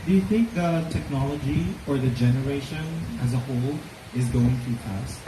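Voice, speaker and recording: A man's voice: mid-range voice, normal speed. A man interviewing a pageant contestant in a rambling, conversational way, often tagging questions onto his statements. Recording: echoey, noisy room, distant mic.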